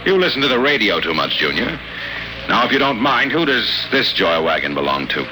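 A man's voice: mid-range voice, big pitch swings, brisk, background noise, lightly acted. An American actor playing a wisecracking, hard-boiled private detective in his thirties in 1950s radio style. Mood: wry, needling. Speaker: actor and narrator in a radio drama. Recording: old radio recording with dramatic music.

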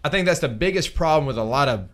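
A man with a somewhat high voice tells stories from the cage in a loose, rambling way, full of fillers and restarts. His tone is casual podcast chat. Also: animated, quick pace, fairly bright tone. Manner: rambling, filler-heavy storytelling. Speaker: MMA fighter.

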